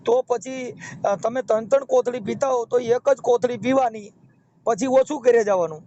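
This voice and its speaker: A man's voice: very high voice, normal speed, warm tone. A man with a Saurashtra Gujarati accent giving advice on a phone call, explaining step by step and repeating himself. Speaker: phone counselor and marriage mediator. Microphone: telephone. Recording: muffled, noisy phone call recording.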